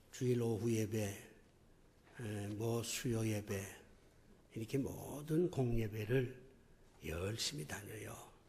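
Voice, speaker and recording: Very slow and somewhat breathy, a man's medium-pitched voice has a dark, mellow tone and ordinary pitch variation, with audible room echo. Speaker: pastor. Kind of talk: church announcements. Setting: church.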